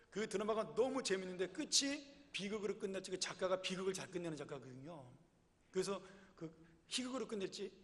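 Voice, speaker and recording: Man, pastor, sermon in a church, high voice, rhetorical questions, long hall reverb. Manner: conversational preaching with rhetorical questions to the congregation. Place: church sanctuary.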